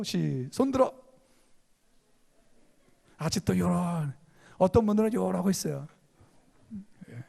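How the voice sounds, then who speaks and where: Male pastor, sermon storyteller, swooping expressive delivery, gravelly edge, playful and animated. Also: high voice. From Gangwon Province, South Korea.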